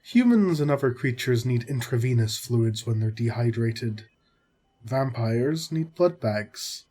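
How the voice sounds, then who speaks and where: A man acting as a caring, exasperated centuries-old doctor in an audio roleplay, with a husky voice and measured bedside manner. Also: medium pitch, lively intonation, dark tone. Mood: reassuring. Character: long-lived vampire doctor, male, caring yet exasperated. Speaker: voice actor. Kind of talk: audio roleplay drama, spoken to the listener.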